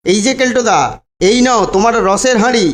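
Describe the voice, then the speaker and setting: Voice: mid-range voice, steady tone, brisk, lightly acted. An actor voicing a sly schoolboy in a cartoon, cheeky beneath a polite front. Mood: falsely helpful. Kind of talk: cartoon voice acting.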